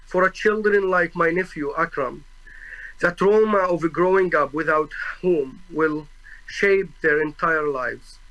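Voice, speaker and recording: Young man, arabic accent, non-native english, slightly high voice, very slow halting delivery, solemn formal testimony. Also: fairly bright tone, poor audio. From Gaza, Palestine. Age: 20s. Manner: halting, searching for words, with frequent restarts and fillers; solemn and earnest. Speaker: witness testifying at a tribunal.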